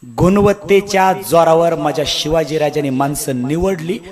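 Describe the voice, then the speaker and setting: A man preaching a devotional storytelling sermon, dramatic, swinging between shouts and hushed lines. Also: a little high, normal speed. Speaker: kirtan preacher. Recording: live crowd in the background.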